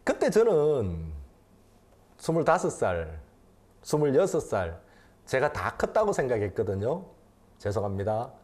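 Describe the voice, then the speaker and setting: A pastor in his fifties delivers a sermon, moving between loud, emphatic lines and quiet, intimate ones and repeating phrases for emphasis. His voice sits at a medium pitch with huge pitch swings, and he speaks at a measured pace with long pauses.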